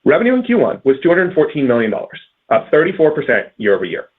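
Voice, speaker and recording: Guy exec reading prepared earnings call remarks, talks quick, husky voice, kinda dull call audio. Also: fairly high pitch, wildly swooping pitch. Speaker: company finance executive. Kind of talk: scripted earnings call presentation.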